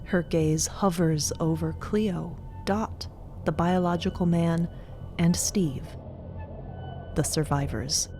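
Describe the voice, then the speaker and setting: Slow, low-voiced woman narrator. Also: steady tone, over music. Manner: grave, deliberate. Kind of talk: dramatic scripted narration of fantasy audio drama.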